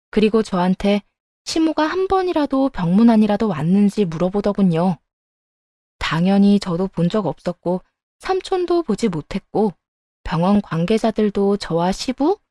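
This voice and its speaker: Expressive woman narrating a story. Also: mid-range voice, dry recording. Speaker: narrator as daughter-in-law. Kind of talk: first-person story narration.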